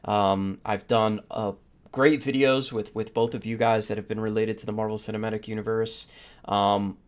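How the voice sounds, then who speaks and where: A man's voice: lowish voice, little pitch movement, moderate pace, clear, resonant tone. A man hosting a podcast in casual discussion, rambling through his opinions with the odd chuckle as he talks. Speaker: podcast host.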